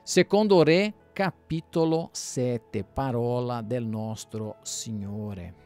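A man, a pastor, reading the Bible aloud in a plain steady way, now and then stumbling and restarting a word. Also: medium pitch, slow pace, soft background music.

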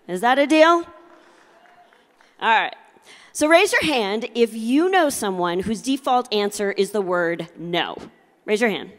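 A woman's voice: mid-range voice, expressive, measured pace, long pauses. A middle-aged woman giving a motivational keynote with comic storytelling, speaking with theatrical emphasis and working the audience through a handheld microphone. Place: large convention hall, indoors. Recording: live hall PA with long reverb.

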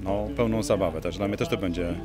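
Calm low-voiced male musician. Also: fast. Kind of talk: casual interview. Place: outdoor park. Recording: music playing behind.

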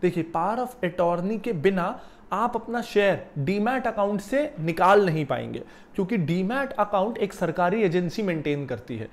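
A young man giving a lively explanatory video lesson about investing, seated in a small office and using a lapel mic. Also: high-pitched, normal speed. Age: young adult. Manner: animated, gestures while explaining. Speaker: finance educator.

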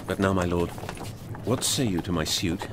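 Actor as a courteous suitor, noisy street. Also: male voice, sits low, moderate pace, lightly acted. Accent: British. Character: courteous young nobleman suitor, polite but eager. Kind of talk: Shakespearean radio drama acting. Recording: clip-clop horses and street noise.

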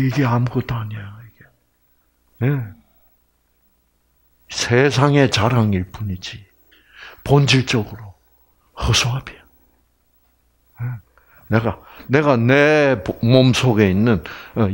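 Speaking with a low voice that has a breathy edge, an older man lectures on health from the stage of a large hall. He is animated, moving back and forth between exclamations and quiet asides.

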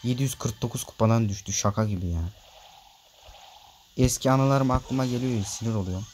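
A man talks his way through a match in casual gameplay commentary, his voice sitting at an ordinary middle pitch. He chats straight to his viewers and grumbles, easily annoyed at his teammates. A faint hiss runs under his voice. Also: a little fast, a little mellow. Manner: chatty, addresses viewers directly. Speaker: gameplay video maker.

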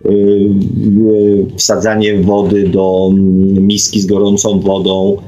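A middle-aged Polish radio host delivers an unscripted monologue, reflecting and reading listener comments in a hesitant, thoughtful way, often closing phrases with a questioning tag. His low voice is warm, monotone and slow. The audio quality is poor.

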